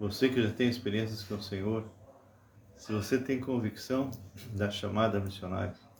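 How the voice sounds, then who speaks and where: Speaking at a moderate pace with long, frequent pauses, a man uses a fairly low, somewhat breathy voice and fairly even intonation. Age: 70s. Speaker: pastor and missionary. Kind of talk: sermon. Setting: livestream.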